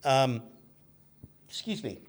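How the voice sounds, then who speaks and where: A man in his fifties telling anecdotes in an animated, chatty way as a podcast guest. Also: mid-range voice, slow pace, slight background noise. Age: 50s. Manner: chatty, acts out quoted shouts. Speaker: podcast guest, magazine editor.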